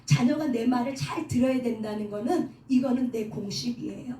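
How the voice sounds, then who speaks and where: A middle-aged woman preaches a sermon, pitched a little high with a warm, mellow tone. She keeps putting questions to her listeners and leading them to repeat after her. Her voice comes from some way off the mic in a roomy hall, with faint noise underneath. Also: normal speed. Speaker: preacher at a prayer house. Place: prayer hall indoors. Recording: echoey hall, voice from far off, faint background noise.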